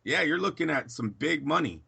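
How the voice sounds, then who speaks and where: Man, boxing pundit, very bright tone, slightly high voice, confident and talky. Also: lively intonation, gravelly, breathy edge. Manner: opinionated, talks in quick bursts with fillers and restarts. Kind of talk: casual sports chat.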